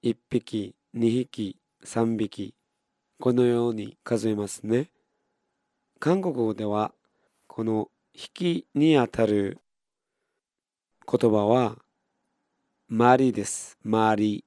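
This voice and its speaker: A man's voice: fairly low pitch, slow, pauses often, darkish tone, dry recording, studio quality. A man teaching beginner in Japanese, patiently repeating each word and modeling pronunciation for counting drills. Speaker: Korean language teacher.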